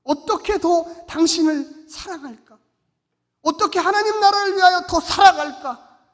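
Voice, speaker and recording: A male pastor preaching a sermon, his voice high for a man and ringing out in a church with a long reverb tail. He presses hard on rhetorical questions, repeating them and swinging between loud, driving lines and quiet asides. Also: moderate pace. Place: church sanctuary.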